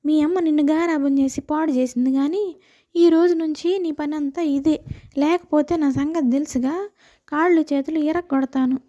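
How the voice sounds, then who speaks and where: A woman voicing a strict, bossy old village grandmother who scolds and threatens in an animated moral story. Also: high-pitched, moderate pace, lo-fi sound, natural voice. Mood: scolding, bossy.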